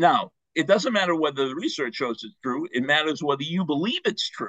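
A man with a fairly high pitch speaks at a moderate pace. His pitch swings very widely, and the sound is dry and close with no echo. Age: 70s. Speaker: sports psychologist and motivational speaker. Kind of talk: interview conversation. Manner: animated.

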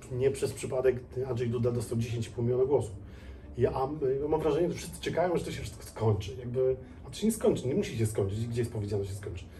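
Here a man talks at a very fast pace in a medium pitch with ordinary pitch variation and some vocal fry. His tone is dark and mellow, and audible room echo surrounds it. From Poland, Lower Silesia (Bolesławiec). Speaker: head of a polling company. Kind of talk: interview. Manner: halting, many fillers.

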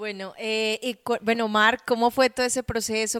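At a fairly slow pace, the voice runs monotone and flat in a very clean recording with a silent background. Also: woman.

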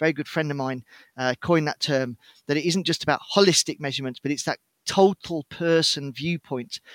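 A man's fairly high voice in a British accent, fairly quick and fairly even in intonation, with a dry, close sound and no echo. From UK. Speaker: outdoorsman and survival instructor. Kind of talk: casual interview conversation.

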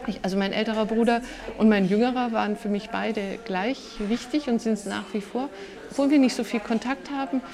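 Noticeable background noise sits behind a woman's fairly high voice. She talks at a fairly quick pace with fairly even intonation. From Swabia, southern Germany. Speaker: social worker, foundation worker. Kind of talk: interview conversation. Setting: literature cafe in Berlin.

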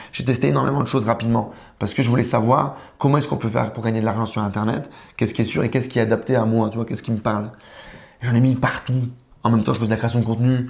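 A man with vocal fry talks at a very fast pace and medium pitch, with ordinary pitch variation and long, frequent pauses. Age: 20s. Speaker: online entrepreneur. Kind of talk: casual interview. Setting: in person.

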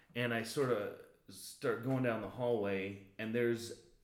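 A man with a medium-pitched voice speaks in a space with audible room echo. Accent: American. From Iowa, US Midwest. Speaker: podcast host and improviser. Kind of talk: casual chat and improv scenes. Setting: on location in Oklahoma City.

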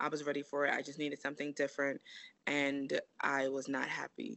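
With a New York accent, a woman speaks at a fairly quick pace in a very deep, low pitch. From New York, Brooklyn (Flatbush). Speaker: podcast co-host telling her life story. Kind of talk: casual interview.

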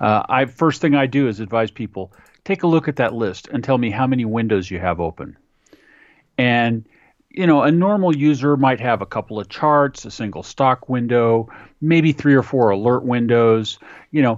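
In a plain, everyday voice, a man of medium pitch speaks at a moderate pace with lively intonation against a quiet background. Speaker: customer service and tech support lead. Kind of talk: casual interview chat.

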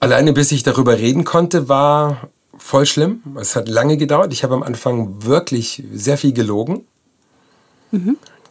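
Lively intonation marks this voice, which is slightly airy. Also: man, fairly high pitch for a man, moderate pace. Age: 50s. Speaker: podcast host. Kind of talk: casual chat. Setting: studio. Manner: hesitant, many fillers.

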